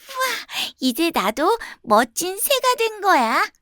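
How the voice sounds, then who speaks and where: A woman voicing a self-conscious young crow in an earnest, childlike, expressive storybook style. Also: very high voice, takes it slowly, no echo, clean studio sound, pitched above the performer's own voice, exaggerated voice. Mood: proud, delighted.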